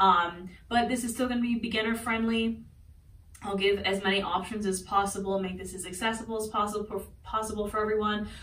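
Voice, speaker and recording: Delivered at a fairly quick pace, the speech is monotone and flat, with audible room echo. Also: woman, fairly high pitch for a woman. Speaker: yoga instructor. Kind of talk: yoga class instruction. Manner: fast; passionate.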